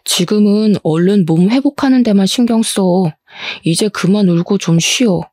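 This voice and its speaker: Woman doing soothing young husband, soft, slightly lower, mellow. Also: moderate pace, no room sound, studio quality, natural voice. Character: gentle young husband, comforting.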